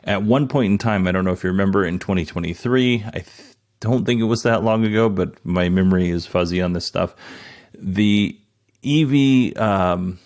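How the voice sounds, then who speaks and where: A man's voice: sits low, normal speed, darkish tone. A man hosting a show, giving casual commentary and explaining things in plain, informal paraphrase. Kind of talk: casual commentary on an earnings call.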